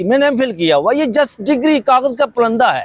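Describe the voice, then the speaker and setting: A man speaking at a moderate pace. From Pakistan, Pothohar region. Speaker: journalist, political vlogger. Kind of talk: political vlog monologue. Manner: casual, hesitant with fillers.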